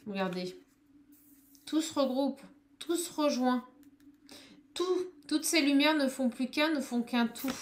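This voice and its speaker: Spiritual reader, woman, high small voice, speaks straight to her viewers, faint background noise. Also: measured pace, long pauses. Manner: addresses viewers directly, exclamatory, calls on spirit guides. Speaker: spiritual coach doing card readings. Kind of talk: tarot reading to camera.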